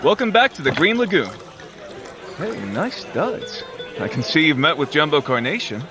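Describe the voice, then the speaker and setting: An actor playing an earnest, authoritative, encouraging superhero team leader in an audio drama. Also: male voice, on the high side, sing-song, moderate pace, music in the background. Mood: reassuring.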